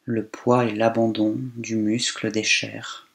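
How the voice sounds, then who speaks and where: A man leading a guided body scan meditation in a calm, unhurried way, leaving long pauses between phrases. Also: fairly low pitch, creaky.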